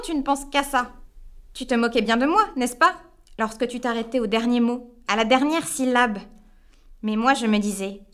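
A spiteful old storybook witch with a small, sharp, sour voice, as a woman puts her on. She sneers and taunts, pitched well up and pushed louder than the narration, her lines swooping high. It reads like a children's tale told aloud. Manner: mocking, sneering. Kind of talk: storybook reading.

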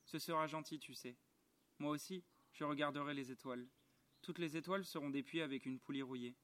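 A man reading as a gentle little boy prince. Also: a little high, steady tone, brisk, close to an everyday voice. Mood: tender, sad. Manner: soft, quiet, mostly the reader's own voice. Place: outdoors at the bottom of a garden.

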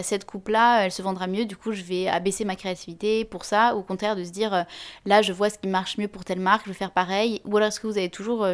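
A woman hosting a podcast, asking long questions that wander and circle back. Her talk is full of small fillers and restarts, and she sits at a middle pitch. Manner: hesitant, long winding questions with many fillers. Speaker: podcast host. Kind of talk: conversational interview.

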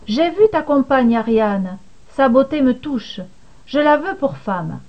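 A woman voicing a bearded, horned male god who threatens and commands, speaking slowly. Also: high-pitched, lively intonation, heavily acted. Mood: menacing. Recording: dull lo-fi recording.

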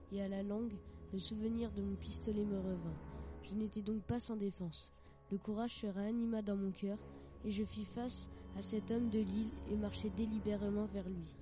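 A woman reading a novel excerpt aloud at a steady pace. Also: mid-range voice.

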